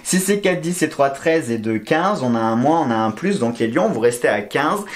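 A man's voice: medium pitch, lively intonation, normal speed. A man giving a casual weekly horoscope reading, joking around and counting scores aloud. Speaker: astrology and tarot reader.

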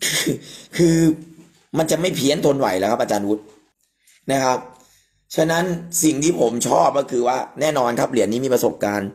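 A man's voice: mid-range voice, lively intonation, a little fast, darkish tone. A man hosting a live stream, explaining the details of an amulet coin in an emphatic, explanatory way with frequent polite particles. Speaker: amulet expert host.

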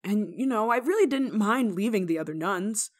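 A woman playing a kindly, rule-breaking nun in an ASMR roleplay, speaking to the listener in a gently teasing, caring manner. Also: mid-range voice, animated, moderate pace, lightly acted. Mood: wistful, tender. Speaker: roleplay voice actor.

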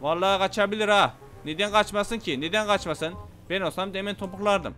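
A man giving loud, playful gameplay commentary, shouting at the game's characters as he plays. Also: high voice, fairly quick, soft background music. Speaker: gaming channel host.

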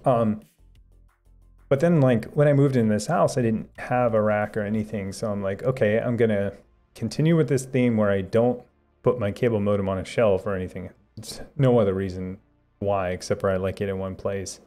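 A man's voice: lowish voice, fairly even intonation, normal speed, dark tone. A man hosting a live stream, chatting casually with viewers in a rambling way with many fillers and restarts. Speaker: livestream host. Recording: faint background music.

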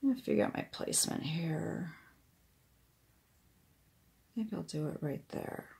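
A woman's voice: sits low, lively intonation, measured pace, gravelly, darkish tone. A woman giving a casual hands-on craft demonstration, talking herself through each step. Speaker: craft tutorial host, independent product demonstrator. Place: indoors at a wooden craft table.

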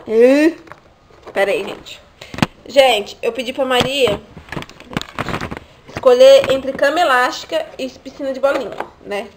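Chatty high-voiced woman vlogging. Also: background noise. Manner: chatty, asides to viewers, frequent tag questions. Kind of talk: casual chat to camera.

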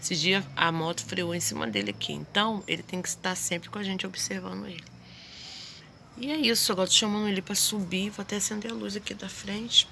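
A woman in her thirties from Brazil, vlogging casually at home on her phone and chatting warmly to her viewers. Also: mid-range voice, fairly even intonation, brisk, creaky, a little hiss or hum. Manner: chatty, gushing, addresses viewers as "gente". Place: house porch and kitchen at dusk. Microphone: handheld phone at arm's length.

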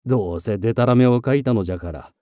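A man voicing a captured warrior who speaks calmly and formally, without remorse. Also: mid-range voice, fast talker, dry recording, clean studio sound, close to an everyday voice. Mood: resolute. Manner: calm formal and unrepentant. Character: resolute captured male warrior monk.

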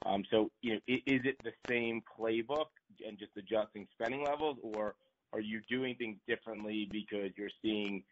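A man's voice: on the low side, steady tone, moderate pace. A male financial analyst asking questions on an earnings call in hesitant, circling phrases. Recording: muffled conference call line.

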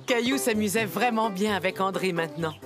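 A woman narrating a scripted children's story in an expressive, clearly phrased storyteller's manner. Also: mid-range voice, brisk. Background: music.

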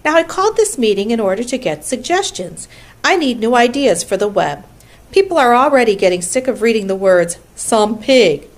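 A woman reading a storybook aloud, voicing a wise, precise female spider who runs a barn meeting in a brisk, tart, schoolmarmish way. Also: a little high, very animated, voice pushed up.

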